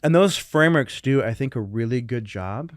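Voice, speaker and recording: A man's voice: mid-range voice, expressive, normal speed, no echo, clean studio sound. A man co-hosting a podcast as a recovery coach, talking reflectively in a conversational Christian teaching style.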